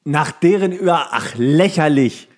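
Joking and playing mock-indignant, a co-host trades casual, comedic podcast banter while guessing slang words. His voice is a little high and expressive, and he talks a bit slowly.

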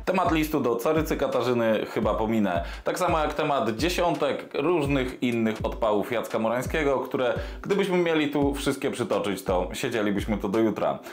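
A man in his thirties ranting sarcastically on a commentary vlog, swearing freely and dropping low for emphasis, recorded indoors on a lapel mic. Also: lively intonation, moderate pace, few pauses, reverberant, faint music behind. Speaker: commentary vlogger. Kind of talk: scripted commentary rant. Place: small indoor room with desk and monitor.

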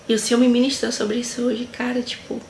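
Woman, 20s, casual vlog talk, heartfelt, slight fry, faint background noise. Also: fairly high pitch, flat delivery, fast, a little mellow. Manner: earnest, heartfelt, leans on fillers like "sabe" and "né". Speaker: vlogger. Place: small tiled room indoors. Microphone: camera at close range. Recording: echoey tiled room, faint noise.

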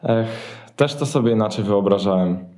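A man's voice: fairly low pitch, moderate pace, warm tone, natural voice. A man playing a tired, patient husband in a Christmas radio play, with a resigned manner. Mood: weary, resigned.

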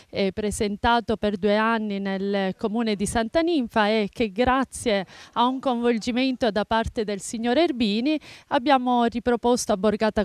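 Woman with a clear voice, hesitant and formal. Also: medium pitch, a little mellow, dry recording. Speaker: event promoter. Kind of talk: formal statement. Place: outdoors in a courtyard. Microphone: handheld mic.

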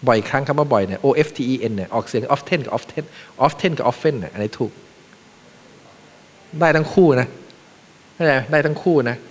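A Thai man from Thailand, a panel speaker giving a joking, animated seminar talk in a large conference room. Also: fairly high pitch. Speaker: panel speaker, acting vice president. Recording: long reverb of a large hall.

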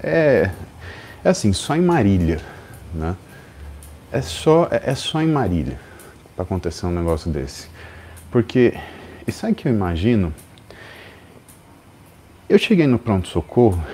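A man's voice: on the low side, very animated, measured pace, long pauses, dark tone, a little hiss or hum. A man in his forties with a Brazilian Portuguese accent, telling a story as host of a live stream and acting out the people in it.

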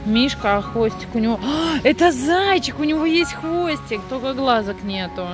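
Female family vlogger, young, slightly high voice, casual and exclamatory, handheld phone sound with music clearly behind. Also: moderate pace. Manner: chatty, expressive, exclamatory. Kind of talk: casual vlog chat to viewers.

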